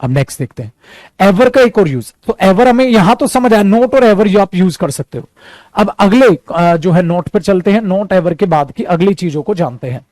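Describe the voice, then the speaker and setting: A man with an Indian accent teaching a spoken English lesson, explaining in Hindi and repeating English example sentences slowly while he encourages his students. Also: high voice, lively intonation, a little mellow, no echo. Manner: encouraging, calls students "beta".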